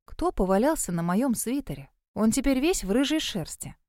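A woman's voice: fairly high pitch, very animated, moderate pace, a little mellow, dry recording. A woman voicing the heroine's blunt friend, who grumbles in a dry, scornful way. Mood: grumbling.

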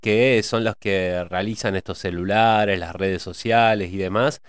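A man in a reflective cultural discussion, pausing often with hesitations as he thinks aloud. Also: sits low, steady tone, clear, resonant tone, dry recording. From Argentina.

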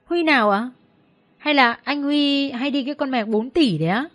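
A woman's voice: high-pitched, normal speed, a bit bright, voice pushed up. A woman voicing a jealous, spiteful young hostess who taunts and tattles. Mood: tattling. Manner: sneering, taunting.

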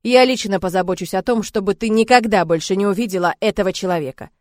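Woman voicing a stern shouting father. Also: mid-range voice, quick pace, no room sound, studio quality, lightly acted. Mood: commanding. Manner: loud, curt orders. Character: stern commanding middle-aged father.

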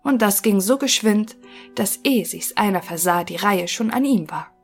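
A woman's voice: medium pitch, lively intonation, faint music behind. Woman reading a fairy tale. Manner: measured storytelling, quiet asides. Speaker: audiobook narrator. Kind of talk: scripted fairy-tale narration.

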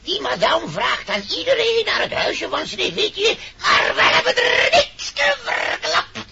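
An actor voicing a cheeky, excitable jay in a radio play, blunt and screechy. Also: very high-pitched, unhurried, vocal fry, exaggerated voice. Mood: cheeky, loud. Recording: noisy, dull vintage radio recording.

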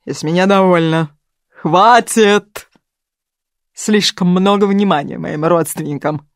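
A theatrical older woman who wallows in bitterness and grand sorrow, voiced by an audiobook reader. She stretches her words slowly and pushes her voice up and out, every sentence a small performance. It is a storybook reading with a very dry sound. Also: mid-range voice, no room sound. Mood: aggrieved, tearful. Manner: melodramatic, loud and drawn-out. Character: theatrical, self-pitying older woman, prone to sobbing.

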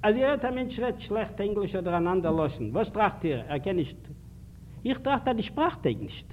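A man lectures in a fairly high voice, driving his points home with pointed questions and little stories. He sounds thin and narrow, like an old archival tape played over a phone line. A soft hiss runs underneath. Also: moderate pace. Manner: animated, emphatic, rhetorical questions to the audience. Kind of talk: public lecture with anecdotes.

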